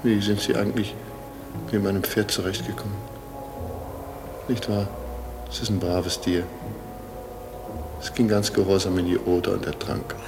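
A man's voice: low voice, flat delivery, normal speed, pauses often, over music. An actor playing the ghost of a murdered man in a radio drama, suave and politely formal, mocking and insistent with macabre understatement. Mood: suave, courteous. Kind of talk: German radio drama acting.

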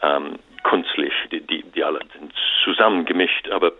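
Halting man on a tinny phone line. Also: a bass voice, breathy edge. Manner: halting non-native German with repeated restarts and English fillers. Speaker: author and interview guest. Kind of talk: radio interview.

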